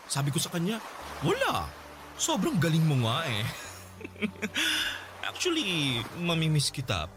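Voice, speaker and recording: Smug rich older gay man, sing-songy and teasing, voice swoops up and down a lot, some noise under it. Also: medium pitch. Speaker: character in a radio drama. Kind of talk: radio drama acting.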